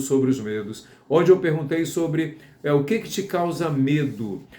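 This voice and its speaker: The voice has a dark, mellow tone, with audible room echo around it. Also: man. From Brazil, Campos (Rio de Janeiro state). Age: 60s. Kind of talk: motivational talk.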